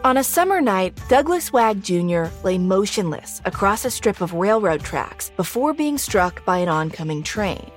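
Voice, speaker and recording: A woman's voice: medium pitch, sing-song, normal speed, hardly any pauses, soft background music. A woman, a podcast host, reading a scripted promo with a dramatic delivery.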